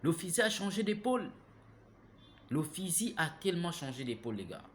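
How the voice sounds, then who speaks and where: A man, giving an impassioned, preachy monologue that keeps turning to the listener with "hein?" and grows loud and heated. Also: a little high, sing-song, moderate pace, slight background noise. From Gabon. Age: 30s. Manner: preachy, repeats himself, asks listeners "hein?". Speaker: vlogger.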